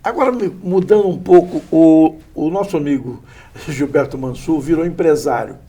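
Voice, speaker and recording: A man's voice: on the high side, normal speed, mellow, breathy edge. A man hosting an interview, asking questions and adding brief interjections. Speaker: host.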